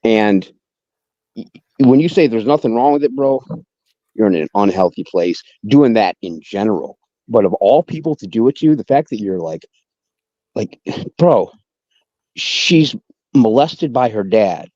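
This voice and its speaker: A man's voice: on the low side, expressive, measured pace, pauses often, mellow, no room sound, lo-fi sound. A man in casual chat who talks emphatically, often repeating and stammering over his words. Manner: emphatic, repetitive, stammering appeals.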